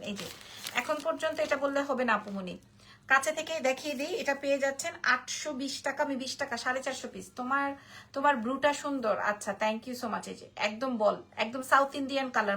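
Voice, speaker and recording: A woman's voice: sits high, bright, forceful tone. A sleepy woman with a Bangladeshi Bengali accent, chatting through a live-stream jewelry sale, repeating prices and reading out viewer comments. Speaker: online jewelry seller. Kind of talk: live-stream sales pitch.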